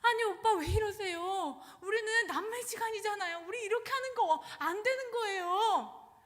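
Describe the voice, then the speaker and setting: A woman voicing a frightened young princess who pleads tearfully in a high voice, in a reverberant church hall. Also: sing-song, moderate pace, a bit bright. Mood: distraught pleading.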